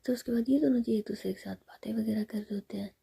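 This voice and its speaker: A woman narrating a love story entirely in a soft whisper. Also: on the high side, fairly even intonation, fast talker, vocal fry, breathy edge. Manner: whispering throughout.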